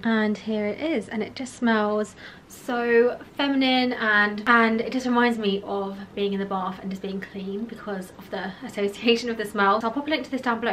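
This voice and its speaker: A young British woman chatting casually to camera at home in a relaxed, gushing way as a lifestyle vlogger. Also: medium pitch, a little hiss or hum. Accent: British English. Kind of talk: casual vlog chat to camera. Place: at home in an apartment.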